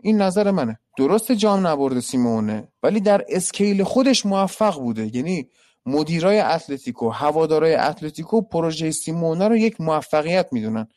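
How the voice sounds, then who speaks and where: A man's voice: a little high, very animated, a little mellow, no echo. A man analysing football on a live stream, reading viewer questions and giving blunt, opinionated answers.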